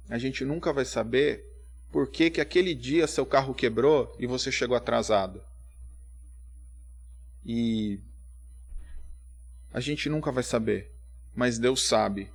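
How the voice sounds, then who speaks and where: A man, giving a conversational church sermon full of rhetorical questions, rising to loud emphatic peaks and dropping to quiet asides. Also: medium pitch. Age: 30s. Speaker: preacher.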